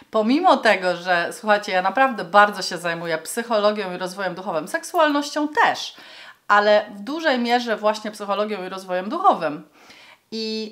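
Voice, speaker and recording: A woman speaks with lively intonation at a moderate pace, and the background is quiet. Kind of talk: casual vlog chat. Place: home room.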